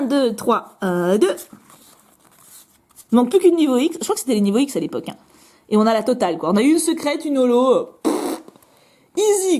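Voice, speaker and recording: A bubbly French woman chats away as she opens card packs, her fairly high voice swooping up and down. She jokes at her own expense and throws in quick asides. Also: warm tone. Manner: chatty, bubbly, self-mocking, quick asides. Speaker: card-opening video host. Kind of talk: casual chat while opening cards.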